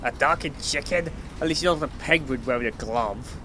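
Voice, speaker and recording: A man's voice: mid-range voice, a little fast, sharp tone, a little hiss or hum, lightly acted. A man playing a sardonic, easily startled adventurer, blunt and exasperated, in an audio drama. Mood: alarmed, urgent. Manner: sarcastic, blunt.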